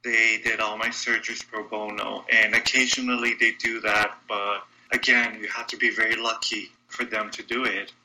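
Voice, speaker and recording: Brazilian-accented man, bright and forward. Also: lowish voice, level tone, moderate pace, hardly any pauses, a little hiss or hum, rough recording. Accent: Brazilian Portuguese. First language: Portuguese. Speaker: guest. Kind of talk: casual interview talk.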